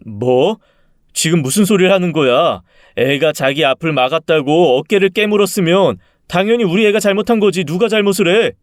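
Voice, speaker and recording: A man's voice: sits high, moderate pace, dry recording, clean studio sound, pitched above the performer's own voice, lightly acted. A man as an exasperated scolding father. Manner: raised, insistent scolding. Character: exasperated young father scolding his family. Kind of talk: story reading with acted dialogue.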